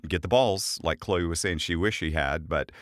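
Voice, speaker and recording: A man's voice: deep voice, normal speed, fairly bright tone, no echo, studio quality. A man hosting a podcast in a conversational, effusive and appreciative way. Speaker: podcast host.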